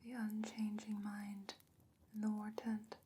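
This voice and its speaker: Whispering, calm fantasy sorceress played by a woman. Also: medium pitch, slight background noise, natural voice. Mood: solemn, reverent. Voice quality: breathy whisper. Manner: hushed, measured, deliberate. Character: calm, knowing fantasy sorceress potion-maker. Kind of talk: soft-spoken whispered ASMR roleplay.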